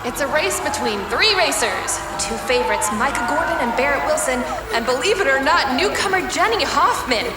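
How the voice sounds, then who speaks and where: A woman's voice: high voice, lively intonation, a little fast, hardly any pauses, a loud crowd. A woman narrator delivering scripted narration and commentary for an audio drama. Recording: music behind the voice.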